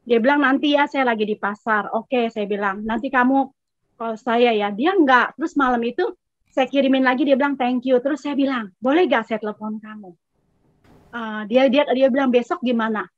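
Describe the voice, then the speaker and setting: A woman with a high voice tells her testimony in a chatty, lively way, voicing herself and the other person in turn. The sound is dry and a little dull. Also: moderate pace, no room sound. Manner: chatty, acts out both sides of a dialogue. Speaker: congregation member giving a testimony. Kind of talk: casual storytelling testimony.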